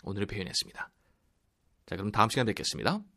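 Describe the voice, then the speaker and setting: A man teaching English pronunciation in an audio lesson, repeating phrases slowly and explaining each one. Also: on the low side, lively intonation, pushed and bright.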